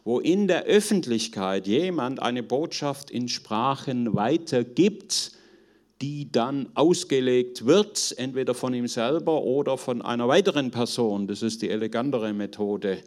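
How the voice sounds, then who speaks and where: A middle-aged man teaching a group in an informal sermon, earnest and conversational, often halting as he searches for words. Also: mid-range voice, a little mellow. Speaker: preacher teaching on spiritual gifts.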